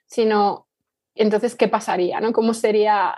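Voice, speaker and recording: A woman's voice: medium pitch, steady tone, normal speed, a little mellow, dry recording. A woman talking casually as an interview guest, explaining things and rephrasing as she goes. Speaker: fiction podcast writer, interview guest.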